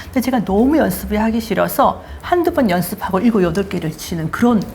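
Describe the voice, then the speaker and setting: An older woman hosting her own show, telling her life story in a lively, self-mocking way. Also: medium pitch, fast talker, slight background noise. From Daegu, South Korea. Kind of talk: casual storytelling chat.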